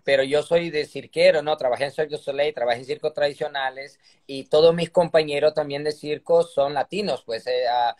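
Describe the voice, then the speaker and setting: Brazilian man, 30s, upbeat chatty guest, fairly high voice, Portuguese accent, phone video call. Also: fairly quick, hardly any pauses, darkish tone. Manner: cheerful, chatty, keeps asking "me entiendes?". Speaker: guest, circus performer. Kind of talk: casual live-stream interview. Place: room at home.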